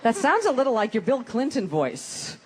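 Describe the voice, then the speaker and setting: A woman's voice: fairly high pitch, wildly swooping pitch, moderate pace. A woman moderating a fan convention panel, reading out fan questions in an upbeat way. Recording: faint background noise.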